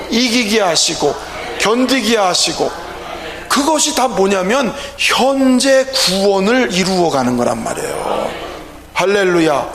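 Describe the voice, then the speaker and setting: A man's voice: high voice, gravelly, fairly bright tone. A man pastor preaching an evening worship sermon, emphatic, with rhetorical questions and calls of hallelujah, in a church sanctuary. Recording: echoey church hall, faint ambience.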